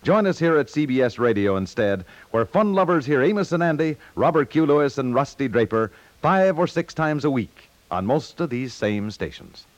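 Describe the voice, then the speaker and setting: A man's voice: medium pitch, expressive, normal speed, few pauses. A man with an American accent reading scripted announcements in the style of 1950s network radio. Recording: dry 1950s radio studio, faint music.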